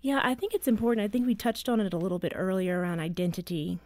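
A woman in her thirties speaks as an interview guest, telling family stories with an earnest, heartfelt manner. Her voice sits at a middle pitch and sounds dry and close. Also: quick pace, darkish tone, no echo. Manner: earnest storytelling, emotional at times. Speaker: guest, author and mother. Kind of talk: interview conversation.

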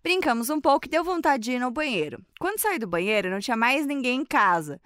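A woman co-hosting a podcast, excitable and nervously giggly, chatting and reading a listener's story aloud. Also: high voice, fast talker, dry recording, studio quality. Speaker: podcast guest co-host.

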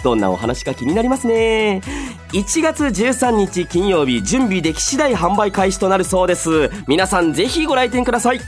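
Male radio host, higher-pitched and very expressive, polite chatty delivery, light music bed. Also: moderate pace. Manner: polite, chatty, frequent soft "ne" tags. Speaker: radio show host and voice actor. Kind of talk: radio talk mixing casual chat and announcements.

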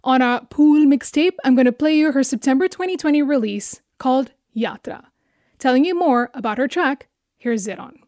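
Woman radio host, high bright voice, dry close studio sound, lively introducing tone. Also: normal speed, dry recording. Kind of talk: scripted radio presenting.

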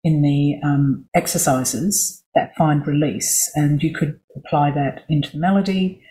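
A woman vocal coach guest on a podcast interview, explaining at a measured pace with many asides. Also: deep voice, fairly even intonation, dark tone, low-quality recording.

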